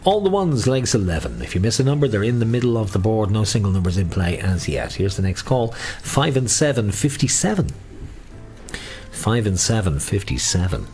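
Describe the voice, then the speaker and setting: A man's voice: lowish voice, very animated, moderate pace, a little mellow, faint music behind. A middle-aged Irish man working as a bingo caller, calling numbers in a sing-song way with repeats and mixing in casual chat.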